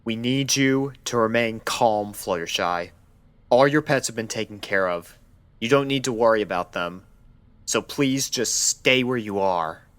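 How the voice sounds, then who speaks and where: A man voicing a calm, reassuring male pony doctor with a measured, polite, clinical manner in a storybook reading. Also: lowish voice, clear, resonant tone, dry recording, voice pushed up. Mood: firm, calming.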